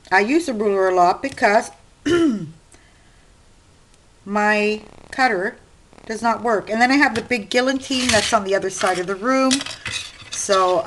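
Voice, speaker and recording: A woman with an Italian-American accent hosting a casual craft tutorial at her home desk, chatting and explaining as she cuts and works, clearing an itchy throat now and then. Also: mid-range voice, slight background noise, rough recording. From Sicily. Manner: chatty, explaining while working with hands. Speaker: craft channel host.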